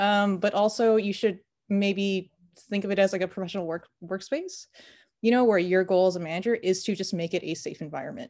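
Over a quiet background, a woman talks at a fairly quick pace in a plain, everyday voice. Her pitch is medium with ordinary variation. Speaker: data scientist. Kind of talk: casual chat. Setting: video call.

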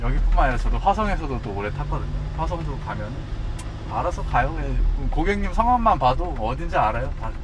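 A man's fairly quick speech against noticeable background noise. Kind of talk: casual interview chat. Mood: cheerful, laughing. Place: car. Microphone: camera far.

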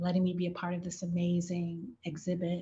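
Her voice has a somewhat breathy sound. The woman talks with an American accent. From North Carolina, small town. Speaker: painter. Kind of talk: artist talk on video panel. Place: home room. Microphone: video call.

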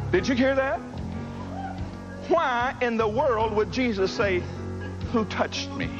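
Over noticeable background noise, a man with an extremely high pitch and ordinary pitch variation talks with long, frequent pauses. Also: fairly slow pace. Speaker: preacher leading a church service. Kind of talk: live sermon preached to a congregation, improvised. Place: church. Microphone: lapel.

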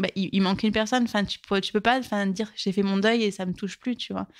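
A woman's fairly quick, monotone, flat delivery on a very clean recording with a silent background. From southern France, near Toulouse. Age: young. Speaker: bereaved sister and author. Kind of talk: testimony. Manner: hesitant, many fillers.

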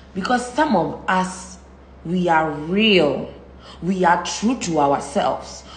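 A woman with a fairly low voice talks at a very slow pace, with lively intonation and very even loudness. Room echo is audible, along with light background noise. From Ghana. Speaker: social media personality. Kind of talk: personal video statement. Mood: aggrieved, defiant. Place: home room. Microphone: phone near.

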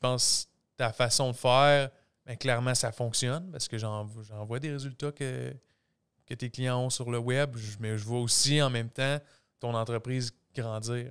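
Against a quiet background, a man with a Quebec accent speaks at a fairly slow pace with fairly even intonation. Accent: Québécois French. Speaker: podcast host. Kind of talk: casual interview. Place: studio. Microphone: studio mic.

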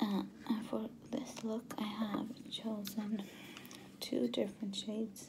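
Soft-spoken and whispering, a woman talks at a very slow pace in a soothing, calm tone. Light background noise sits underneath. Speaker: ASMR makeup artist. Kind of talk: asmr whisper roleplay, makeup application. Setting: video to camera. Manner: soft-spoken, slow, gentle whisper; soothing, calm, hushed, with hesitant fillers. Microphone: phone near.

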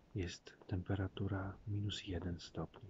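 A quiet, somewhat breathy whispering man at a very slow pace, dry with no echo, over light background noise. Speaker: hunter. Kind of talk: casual talk to camera. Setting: outdoors, phone recording from a hunting stand. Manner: whispered, quiet. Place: forest. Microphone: phone near.

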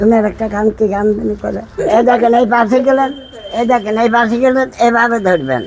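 A man talks in a high voice with ordinary pitch variation. Noticeable background noise runs underneath. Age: 80s+. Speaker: flute teacher. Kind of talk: flute lesson explanation.

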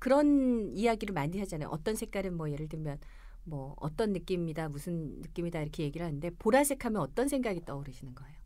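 Speaking at a very fast pace, a woman with a fairly low, dark and mellow voice swings very widely in pitch and sharply in loudness. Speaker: voice actor. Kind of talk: casual chat.

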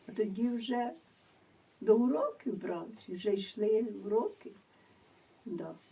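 A woman's somewhat breathy, dark and mellow voice at a fairly high pitch, with fairly even intonation, a very slow pace and long, frequent pauses. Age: old. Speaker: village grandmother. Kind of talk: interview answer, village memories.

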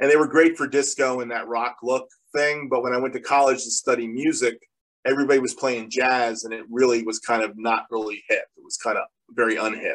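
In an American accent, a man speaks at a fairly quick pace with fairly even intonation. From New Jersey. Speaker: drummer. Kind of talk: casual interview chat. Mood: relaxed, reminiscing. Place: studio. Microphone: video call.

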